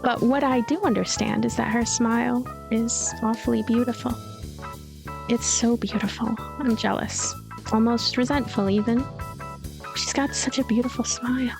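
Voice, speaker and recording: A woman voicing a lonely, gloomy ghost girl who narrates her story in a deadpan, weary, introspective way. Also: a little high, normal speed, gravelly, music in the background. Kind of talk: first-person story narration.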